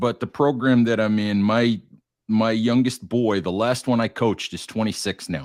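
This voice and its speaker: This is a normal speaking voice from a man at medium pitch. He keeps a moderate pace with ordinary pitch variation. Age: 60s. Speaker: sports podcast host. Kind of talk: casual chat. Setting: remote podcast call from his office.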